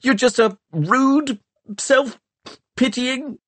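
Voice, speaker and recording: A male audiobook reader voicing an earnest, desperate teenage boy, shouting and pleading. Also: extremely high pitch, extremely slow, no echo, voice pushed up, exaggerated voice. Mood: pleading, angry.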